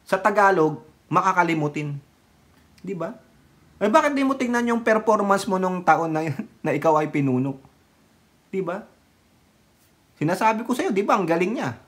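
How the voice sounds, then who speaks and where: A vlogger ranting about politics in a casual, mocking way, laughing often, swearing, and jumping sharply in pitch and loudness. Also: expressive, normal speed, pauses often.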